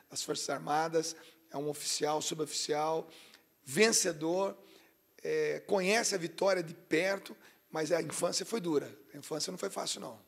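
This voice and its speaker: Raspy-voiced TV host, gravelly and emphatic. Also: male voice, on the high side. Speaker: TV program host.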